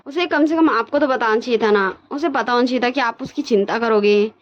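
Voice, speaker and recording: Fretful young male student, older brother, talkative, read by a woman, slightly high voice, muffled lo-fi sound. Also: brisk, natural voice. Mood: scolding.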